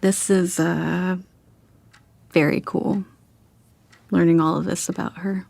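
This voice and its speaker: A woman's voice: on the low side, fairly even intonation, slow pace, gravelly, darkish tone, no echo, heavily acted. A woman playing a polite, curious young writer in an audio drama, speaking in a tentative, understated, natural way. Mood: quietly pleased. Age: young adult.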